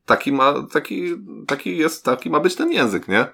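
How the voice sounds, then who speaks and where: A man co-hosting a relaxed podcast conversation. He speaks hesitantly, trailing off and filling pauses with drawn-out sounds. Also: on the high side, creaky, husky. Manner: hesitant, many fillers, trails off. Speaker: podcast co-host. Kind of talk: casual chat.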